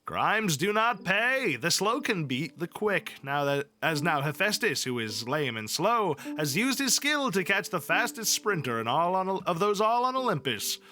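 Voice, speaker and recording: A man's voice: sits high, very animated, unhurried, few pauses, sharp tone, pitched above the performer's own voice, exaggerated voice. A man voicing an amused, gossiping male god with playful declaiming in a storybook reading. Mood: gloating. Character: gossiping, amused male gods of Olympus, bantering. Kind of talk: storybook character voice.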